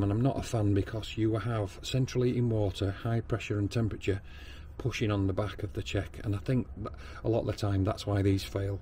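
Northern English man, low gravelly voice, hands-on trade lesson, faint background noise. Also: warm tone. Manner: practical, explanatory, with ums and restarts. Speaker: plumber and backflow tester. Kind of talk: hands-on training demonstration. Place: workshop bench.

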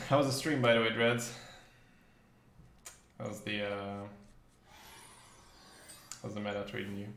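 A man's voice: fairly low pitch, steady tone, slow, creaky, long pauses, fairly bright tone, reverberant, a little hiss or hum. A young man hosting a card game stream, chatting in a laid-back, playful way with his co-player. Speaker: streamer host. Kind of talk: casual game commentary.

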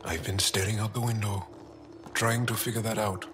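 A man playing a thoughtful, earnest alien resistance fighter in a video game, speaking reflectively with pauses. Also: lowish voice, fairly even intonation, music in the background, lightly acted. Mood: subdued, reflective. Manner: measured, reflective, pausing.

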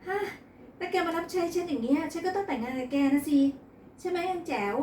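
A woman's voice: high-pitched, lively intonation, quick pace, warm tone, slight background noise, pitched above the performer's own voice. A woman voicing a brash, crude playboy son in a read-aloud romance novel, recorded in an echoey room from a distance. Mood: teasing. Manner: crude, teasing.

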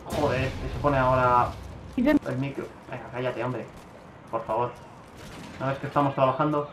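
A man from giving casual commentary over his own gameplay, swearing a lot and breaking into loud outbursts. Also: mid-range voice, normal speed, reverberant, background noise. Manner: swears often, bursts into excited outbursts.

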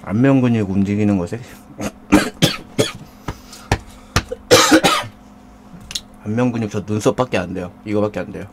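Speaking slowly with long pauses and huge pitch swings, a man with a fairly low voice hosts a live mukbang stream over background noise. Using a desk condenser mic, he eats, jokes around, and banters with viewers while reading out chat names.

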